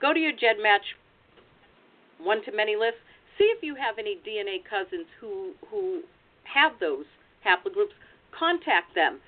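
She is an American woman with a medium-pitched, very animated voice and a moderate pace, presenting as a genealogy researcher. Her explanatory webinar offers practical advice via video call, heard through tinny, phone-quality audio.

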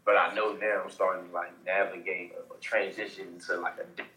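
A man with an African American accent talking casually and haltingly, with frequent conversational check-ins. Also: low-pitched, little pitch movement, bright, forceful tone. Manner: informal, halting, peppered with "you know what I'm saying". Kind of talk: casual podcast chat. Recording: echoey room sound.

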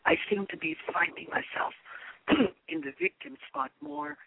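A hoarse, raspy woman calls in over a tinny phone line. Her voice sits fairly high and swings widely in pitch, with a gravelly fry under it. She talks in earnest, searching bursts. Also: lively intonation, unhurried, no room sound. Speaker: caller. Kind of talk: call-in radio conversation.

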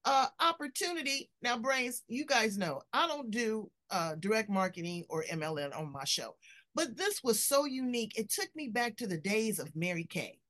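A woman's voice: fairly high pitch, expressive, normal speed, a bit bright. A woman hosting a talk show, effusive and playful, with an upbeat, rallying way of speaking. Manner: effusive, playful, preachy about purpose. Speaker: show host. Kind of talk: casual interview chat.

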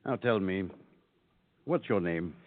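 A kindly, patient priest, voiced by a man who gently draws a stranger out. His voice sits low but rises and falls with concern. The sound is dry and tinny, like a phone line. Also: lively intonation, slow. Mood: gentle. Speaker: actor in a radio drama. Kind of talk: old-time radio drama acting.

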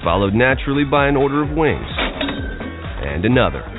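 A man narrating a radio ad in a calm storytelling way. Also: mid-range voice, fairly quick. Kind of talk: scripted radio ad. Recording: tinny line with music behind.

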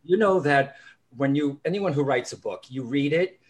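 A guest author, a psychic medium with a Boston accent, chats casually and animatedly in an interview. His voice sits fairly high and moves at a normal speed, and he tells stories full of restarts and asides.

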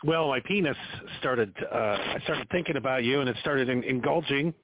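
A man with a hoarse, croaky frog voice hosting a casual, comedic live talk show, sometimes drawing words out like an announcer. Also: mid-range voice, normal speed, dry recording. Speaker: radio show host. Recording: thin phone-like radio sound, music behind.

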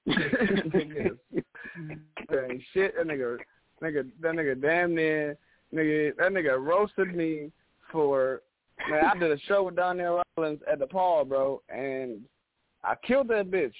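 Animated profane comedian, tinny phone sound. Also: male voice, on the high side, a little slow, long pauses, no room sound. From Chicago. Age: about 30. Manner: animated, profane, rambling storyteller. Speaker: stand-up comedian guest. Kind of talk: casual interview storytelling. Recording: dry, phone-like narrow sound.

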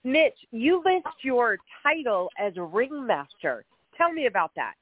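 A woman's voice: fairly high pitch, measured pace. Stuffed-up woman radio host. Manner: upbeat, lively, chatty. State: stuffed up with a cold, coughing. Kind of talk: radio interview. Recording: tinny phone-like radio audio with faint music.

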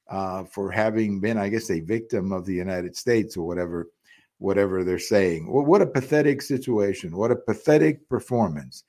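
A man's voice: on the low side, mellow. Indignant middle-aged male political commentator. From Cuba. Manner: indignant, repetitive, many fillers and restarts. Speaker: podcast commentator.

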